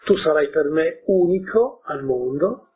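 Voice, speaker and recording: Man reading as a gentle wise fox. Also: on the high side, animated, a little slow, muffled recording, a little hiss or hum. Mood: earnest. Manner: earnest storybook reading voice.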